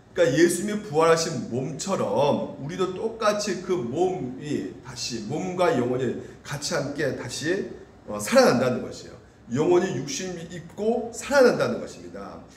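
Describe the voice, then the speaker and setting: A man speaks at a high pitch with very wide pitch swings. Room echo and background noise are both noticeable. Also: big swings in loudness. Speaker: pastor. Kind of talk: sermon. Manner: fast.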